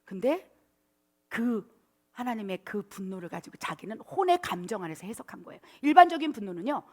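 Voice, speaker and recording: A middle-aged woman pastor preaching a sermon at a church service, animated and acting out prayers in coaxing, whiny voices. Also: medium pitch, a little fast. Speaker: pastor and missionary.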